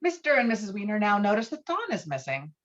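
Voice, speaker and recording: Lively woman narrator on dull call audio. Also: medium pitch, fast. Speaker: stage-direction narrator. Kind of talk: scripted narration for a table read.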